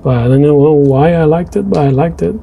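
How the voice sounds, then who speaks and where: Over phone-quality sound, a man with a fairly high, slightly rough voice and vocal fry talks fairly quickly. He's an artist narrating a drawing video, a native French speaker with a French Canadian accent, casually discussing his drawing and tastes while hesitating and restarting a lot.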